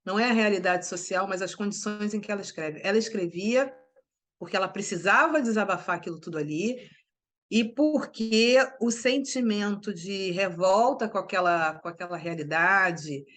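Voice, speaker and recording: A woman's voice: medium pitch, normal speed, fairly bright tone. A middle-aged woman from Brazil, a writer interviewed as a guest, talking emphatically with restarts and tag questions. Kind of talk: conversational interview.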